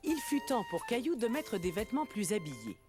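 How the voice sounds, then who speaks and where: A woman's voice: medium pitch, very animated, fairly quick, music in the background, close to an everyday voice. A woman acting as a storybook narrator in a children's cartoon, telling the tale in scripted narration. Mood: gentle. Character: storybook narrator telling a small boy's day.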